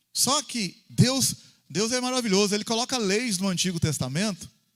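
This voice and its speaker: High-pitched and with lively intonation, a man is speaking. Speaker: pastor. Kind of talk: sermon.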